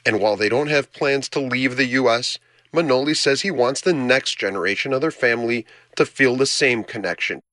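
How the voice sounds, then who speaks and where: A man's voice: mid-range voice, a little fast, sharp tone, no room sound, studio quality. A man from Chicago with a Chicago accent, whose first language was Greek, delivering a personal, conversational scripted radio news report.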